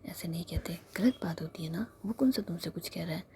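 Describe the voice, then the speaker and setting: A woman's voice: on the low side, brisk, background noise, natural voice. A woman whispering the part of an exasperated young woman who brushes off and scolds her friend. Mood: scolding.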